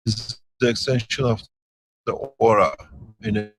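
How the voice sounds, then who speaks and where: A man teaching over an online call, his audio breaking up and fading out as he speaks slowly with restarts. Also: on the low side, steady tone, slight background noise. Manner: slow, halting, with many restarts. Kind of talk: spiritual teaching talk. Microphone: remote call link. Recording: distant, dropping-out call audio.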